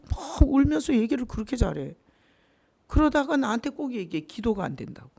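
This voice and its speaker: Pastor, male, gravelly and warm; teaches Bible study informally, drawing listeners in with questions. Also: sits high. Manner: conversational, with rhetorical questions and asides.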